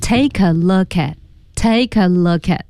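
A woman's voice: fairly low pitch, slow pace, warm tone, no room sound, clean studio sound. A woman hosting a radio English lesson, explaining pronunciation in a chatty way. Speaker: English teacher host.

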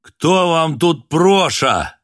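An actor playing an arrogant, irritable empty suit that speaks with its boss's voice, snapping at visitors in a radio drama. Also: male voice, sits high, moderate pace, sharp tone, a little hiss or hum. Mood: haughty. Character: haughty irritable empty suit of a male boss.

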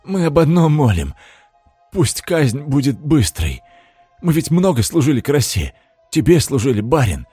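A man's voice: medium pitch, big pitch swings, measured pace, dark tone, breathy edge, dry recording, soft background music, voice pushed up. A man voicing a mutilated male henchman who pleads and mumbles plaintively. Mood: pleading.

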